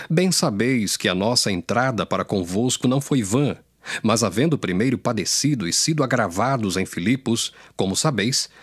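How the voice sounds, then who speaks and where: Recorded with a clean studio sound and no room echo, a man with a mid-range voice and a Brazilian accent reads scripture aloud for an audio Bible. The scripted reading is solemn and declamatory, set over background music.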